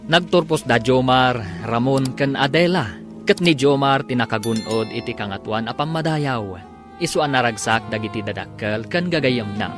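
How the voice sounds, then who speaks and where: A male announcer delivers scripted radio drama narration. His voice is medium in pitch, and music plays clearly behind him.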